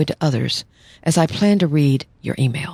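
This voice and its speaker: A woman in a Southern US accent, her voice very deep and low, with ordinary pitch variation and a dry, close sound with no echo. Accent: Southern US twang. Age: 60s. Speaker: psychologist podcast host. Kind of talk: solo podcast talk.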